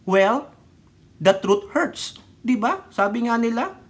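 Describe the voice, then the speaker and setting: A woman's voice: a little high, expressive, takes it slowly. A woman vlogger giving opinionated political commentary, switching between Tagalog and English mid-sentence and scolding with rhetorical questions. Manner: rhetorical, scolding, keeps asking "right or wrong?".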